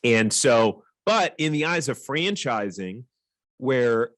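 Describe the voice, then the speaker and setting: A man's voice: mid-range voice, animated, slow, a bit bright, dry recording. Upbeat male podcast host. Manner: upbeat, enthusiastic. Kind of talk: podcast interview.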